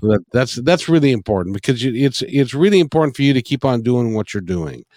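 Man, middle-aged, interview host, effusive, rambling, repeats himself, medium pitch, very dry close sound. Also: very animated, a little fast, darkish tone, dry recording. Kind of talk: casual music interview.

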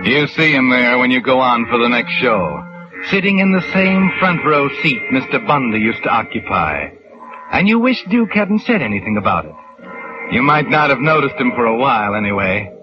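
An actor playing an ominous, knowing storyteller, narrating old radio suspense in an insinuating, dramatic way. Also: male voice, mid-range voice, lightly acted. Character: ominous, knowing male storyteller addressing the doomed woman. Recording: dull vintage radio recording. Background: dramatic music.

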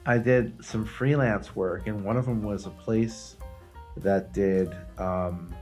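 A man's voice: fairly low pitch, fairly even intonation, takes it slowly, a little mellow, soft background music. A man co-hosting a podcast, chatting casually and telling anecdotes with some swearing. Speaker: podcast co-host.

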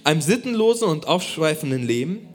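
A man preaching a sermon, addressing the congregation directly in an animated way. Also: a little high, fairly quick. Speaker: pastor.

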